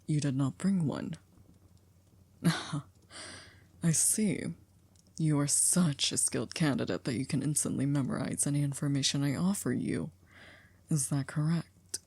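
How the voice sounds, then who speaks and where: For an ASMR roleplay, a woman fully voices an exacting chief maid of a grand estate. Her voice is low, dark, close and slightly rough, recorded dry with no room sound. Every phrase comes out formal and measured, edged with dry reproach.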